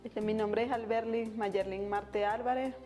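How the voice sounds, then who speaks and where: A woman's voice: medium pitch, steady tone, measured pace, dark tone. Venezuelan woman, 20s, casual, music underneath. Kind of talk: documentary introduction.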